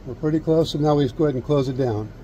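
This middle-aged HVAC instructor talks very fast in a warm, slightly high voice while demonstrating a repair next to an outdoor air conditioner. The close, point-of-view camera audio is lo-fi with a bit of hiss or hum, and he keeps repeating steps and asking "okay?"

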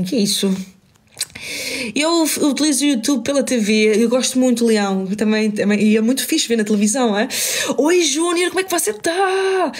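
A woman's voice: fairly high pitch, darkish tone. A woman with a European Portuguese accent, chatting casually on a live stream, greeting and thanking viewers by name and humming while she reads comments.

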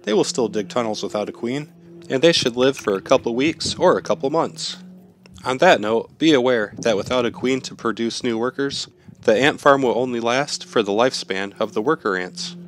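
A man in his thirties hosting a how-to channel, narrating step-by-step instructions in a steady, plain way while slightly sick. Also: mid-range voice, moderate pace, faint music behind. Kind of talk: scripted how-to voice-over.

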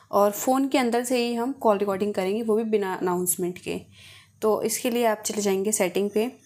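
Speaking in a mid-range voice with a darkish tone, the woman who hosts these phone tutorials walks her viewers through the steps. Her narration is casual and instructional, aimed directly at the audience.

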